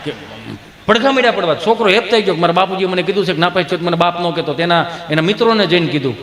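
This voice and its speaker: A male stand-up comedian from Gujarat, telling folk jokes and acting out villagers in high voices. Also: racing, a bit bright. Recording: echoey live stage hall.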